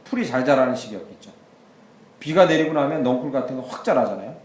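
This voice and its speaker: A man's voice: mid-range voice, lively intonation, fast, roomy sound. A male pastor preaching a sermon, telling the story with animation and acting out the characters' voices.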